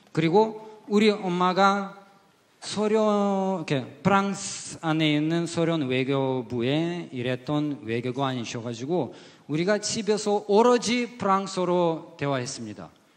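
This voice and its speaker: Speaking very slowly, a man uses a French accent. His pitch is high, with very wide swings. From Ukraine, born in Czechia, French-speaking home. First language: French (speaking Korean). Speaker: evangelist. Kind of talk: testimony. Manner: casual, humorous storytelling with fillers.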